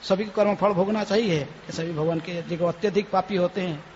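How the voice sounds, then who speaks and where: A high-pitched man gives a devotional temple lecture and keeps tagging his phrases with a questioning "hain?". His voice carries a long hall reverb, and the recording sounds dull and lo-fi with faint noise behind it. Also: a little mellow. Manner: chants scripture verses slowly. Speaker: swami giving a lecture.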